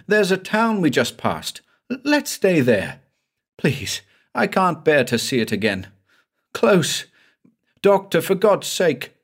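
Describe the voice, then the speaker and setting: A man acting out a haunted grown man in a spoken horror tale, his voice flung far above the reader's own, shrill and cracking with dread. He pleads and shrieks, pitch leaping about wildly. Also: huge pitch swings, slow, breathy edge, full character voice. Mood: pleading. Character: terrified grown man, hysterical, haunted by visions.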